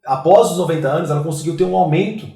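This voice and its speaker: Fast-talking Brazilian man from Santos, roomy sound. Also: a little high, gravelly, warm tone. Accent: Santos, Brazilian Portuguese. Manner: emphatic, asks and answers own questions. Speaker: interview guest, fitness coach and gym owner. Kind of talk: conversational interview, explaining. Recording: roomy, echoing interview sound.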